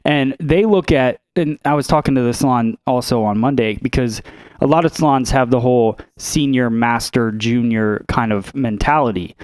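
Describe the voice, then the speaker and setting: A man's voice: mid-range voice, moderate pace, darkish tone, dry recording. Blunt, casual man on a salon podcast. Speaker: podcast co-host, hairdresser. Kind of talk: casual chat. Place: salon studio. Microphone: studio mic on boom arm, headphones.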